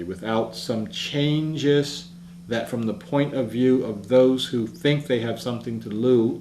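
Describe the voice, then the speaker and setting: A man's voice: medium pitch, a little mellow. A man giving an earnest, reflective public talk in an easygoing storytelling manner. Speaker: speaker. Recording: roomy echo with faint hum.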